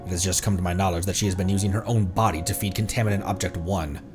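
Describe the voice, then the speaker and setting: A man's voice: deep voice, fairly even intonation, fast talker, over music. A man livestreaming a game, reading its text aloud and reacting casually, sometimes stumbling over words and correcting himself. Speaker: livestream host, VTuber.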